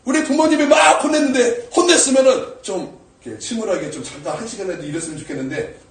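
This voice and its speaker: A male pastor preaching a sermon, swinging from shouted prayers down to quiet, low asides. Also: fast talker, echoey room, distant mic. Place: church sanctuary.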